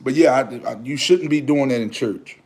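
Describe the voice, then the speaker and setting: A man in his thirties hosting a casual livestream, talking faith with his viewers. He preaches in an easy, repetitive way and calls out to them as brother and y'all. His voice sits at an ordinary middle pitch. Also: normal speed, a little mellow, slightly rough. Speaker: livestream host.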